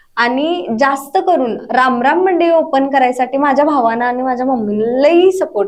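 A woman talks with lively intonation. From Kolhapur, Maharashtra. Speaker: social media influencer. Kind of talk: interview. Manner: blunt, rustic speech.

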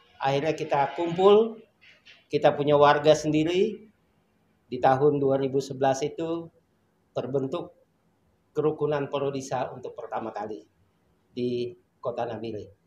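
Speaking at a fairly slow pace with long, frequent pauses, a man with a fairly high pitch and ordinary pitch variation sounds somewhat breathy, shows big swings in loudness, and has light background noise behind him. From Talaud Islands, North Sulawesi; North Sulawesi. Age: 60s. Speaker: retired company worker, community elder. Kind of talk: casual interview chat. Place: cafe. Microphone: camera far.

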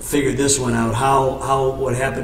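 Here a man is speaking. There is light background noise and audible room echo. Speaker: presenter. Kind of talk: informal lecture discussion. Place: home room.

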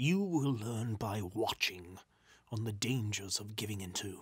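A man uses a booming put-on character voice. He speaks at a fairly slow pace. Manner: stern, menacing.

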